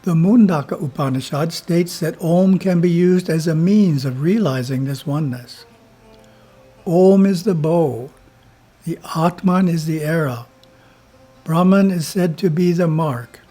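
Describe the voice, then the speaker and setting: Spiritual teacher guy reading slow and measured, husky, kinda high voice, soft music under it.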